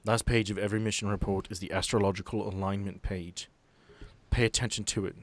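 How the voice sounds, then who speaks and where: A man voicing a grave, commanding woman boss who briefs her agents in a tabletop game, measured and earnest. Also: on the low side, steady tone, lightly acted.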